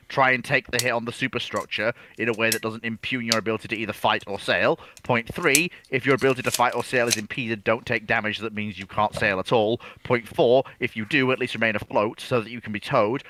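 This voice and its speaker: A man's voice: medium pitch, fairly quick, hardly any pauses, bright, forceful tone, slight background noise. A man on a discussion panel, explaining off the cuff in a methodical, emphatic way and restating his points. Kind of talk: unscripted expert discussion.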